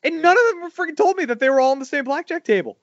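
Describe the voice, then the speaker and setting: A man, hosting a casual podcast chat and telling stories loudly, his voice jumping up high when he gets worked up. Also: very fast, no echo. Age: 40s. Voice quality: loud voice. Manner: animated storytelling, swings high when excited. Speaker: podcast host. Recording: dull lo-fi dry sound.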